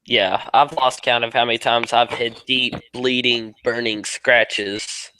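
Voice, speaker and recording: A man's voice: medium pitch, fairly even intonation, unhurried, bright, forceful tone, clear, resonant tone, no echo, low-quality recording. A man hosting a casual conversation, agreeable and conversational. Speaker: host.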